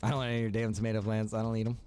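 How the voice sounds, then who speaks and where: A man's voice: lowish voice, level tone, very fast, a little mellow, faint music behind. A man streaming a game, chatting casually with viewers, rambling and joking as he plays. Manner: rambling and joking, chats to viewers and reacts while playing.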